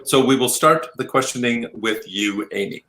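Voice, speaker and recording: A man's voice: mid-range voice, moderate pace, pushed and bright. A man hosting a game show, calling turns and strikes and explaining his rulings in a game show host's delivery.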